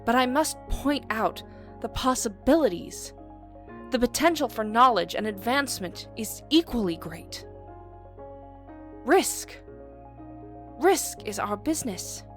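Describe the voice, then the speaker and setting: A woman performing a rousing male starship captain's speech as a theatrical dramatic reading with deliberate pauses. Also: on the high side, lively intonation, faint music behind, voice pushed up. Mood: commanding, rousing.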